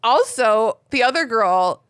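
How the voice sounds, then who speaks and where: A woman chatting on a podcast, reading out and poking fun at a story. Her voice swoops lively up and down, a little high, and she laughs often. The sound is dry and close. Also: no echo. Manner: laughing, playful, slow and drawn out. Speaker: podcast co-host. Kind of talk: casual chat, reading and mocking a story.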